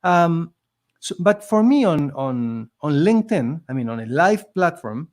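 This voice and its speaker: Here a man with a slightly high, sing-song voice speaks at a measured pace in non-native-accented English. As a podcast guest and immigrant living in Canada, he tells his story in an earnest, emphatic, motivational way, like a conversation.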